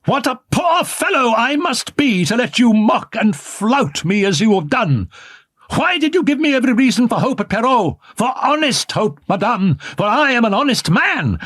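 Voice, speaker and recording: A man's voice: high-pitched, expressive, a little slow, a bit bright, dry recording, studio quality, pitched above the performer's own voice, exaggerated voice. A man voicing a jealous, anguished young lover. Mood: furious, anguished. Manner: anguished, sarcastic outbursts.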